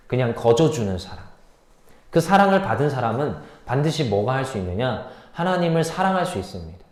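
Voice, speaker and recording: A man's voice: fairly high pitch, roomy sound. A man, a junior pastor, preaching a sermon in a conversational way and often asking his listeners questions.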